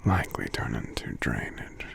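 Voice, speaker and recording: A man voicing a gentle, congested giant lover in an intimate ASMR roleplay, murmuring softly and tenderly with small hums between phrases. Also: moderate pace, close to an everyday voice. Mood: wry, drowsy. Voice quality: congested, stuffy, breathy half-whisper. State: congested from a cold. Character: gentle sick male giant, tender romantic partner.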